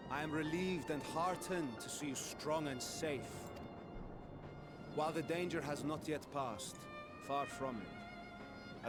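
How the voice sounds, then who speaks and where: A man playing a composed, stately ruler in a video game, speaking in formal, measured oratory to reassure people. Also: a little high, natural voice. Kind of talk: dramatic video game acting. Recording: loud music under the voice.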